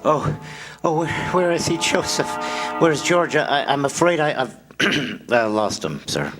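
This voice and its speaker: An actor playing a timid, bumbling old guardian angel, hesitant and apologetic, in a staged 1940s-style radio drama. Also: male voice, fairly high pitch, lively intonation, unhurried, music in the background. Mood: sheepish. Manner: hesitant, stammering. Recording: live stage, faint noise, clicks.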